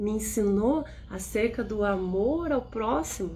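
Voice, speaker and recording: A woman speaks in a calm tone. Her pitch swings very widely. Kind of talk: devotional teaching live. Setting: livestream. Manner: slow.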